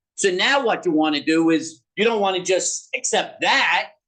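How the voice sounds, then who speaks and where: With a Brooklyn accent, a man talks at a high pitch. His intonation is lively. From Brooklyn, New York. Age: 60s. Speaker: physical therapist. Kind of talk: video call consultation. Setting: video call. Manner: animated.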